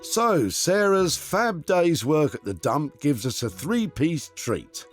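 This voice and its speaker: A man's voice: fairly high pitch, very animated, slow, soft background music. A man narrating a TV show in a playful, teasing scripted voice-over.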